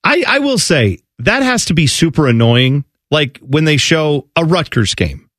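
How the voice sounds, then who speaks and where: High-voiced, emphatic male radio co-host. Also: very animated, a little slow, fairly bright tone, no room sound, studio quality. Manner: emphatic, argumentative, chuckles often. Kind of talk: casual sports radio chat. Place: radio studio.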